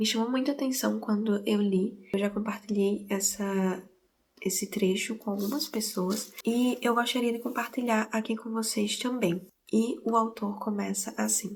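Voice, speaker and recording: Soft-spoken and fairly slow, the voice keeps a fairly even intonation. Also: woman, fairly high pitch for a woman. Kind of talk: devotional reflection to camera. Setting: at home, living room. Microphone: no microphone, chargers dead, audio may be poor.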